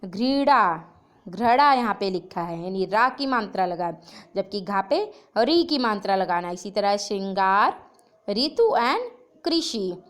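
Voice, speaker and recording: A woman teacher explaining spelling mistakes over slides, repeating each word slowly and stressing its letter sounds. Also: mid-range voice, lively intonation, a bit bright, smooth. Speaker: Hindi grammar teacher.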